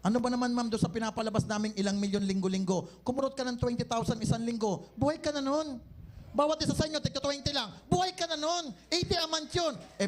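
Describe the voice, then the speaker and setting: A man with a Filipino accent, the owner of a company, giving a live sales seminar and teasing his audience with jokes and rhetorical questions. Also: very high voice.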